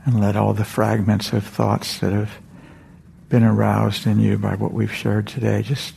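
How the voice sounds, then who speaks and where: A man leading a guided meditation in a meditation hall, speaking slowly and softly with long pauses. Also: fairly low pitch, monotone, gravelly, slight background noise. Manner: slow, soft, with long pauses. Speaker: meditation teacher.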